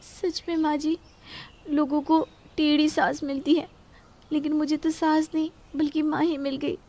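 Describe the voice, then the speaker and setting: A woman's voice: sits high, flat delivery, measured pace, mellow, a little hiss or hum. A young woman playing a timid daughter-in-law who pleads anxiously. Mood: pleading. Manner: pleading, fearful.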